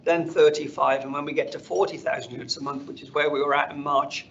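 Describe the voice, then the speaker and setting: A man speaking as a company finance executive, presenting slides on an earnings call in a measured corporate delivery. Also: on the high side, little pitch movement, fairly bright tone. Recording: dull conference call audio, faint noise.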